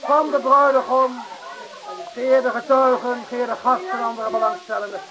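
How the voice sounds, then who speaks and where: An actor playing a pompous self-styled registrar, making bombastic, halting, repetitive ceremonial speeches in a radio play. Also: male voice, extremely high pitch, flat delivery, low-quality recording. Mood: grandiose. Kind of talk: theatrical radio play acting. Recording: radio play with crowd noise.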